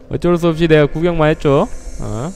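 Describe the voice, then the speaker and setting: Guy narrating his gameplay, kinda high voice, laughs a lot, yelps when surprised, faint hiss behind. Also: darkish tone. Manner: playful, laughing, sudden startled exclamations. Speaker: gameplay commentator. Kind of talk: casual game commentary.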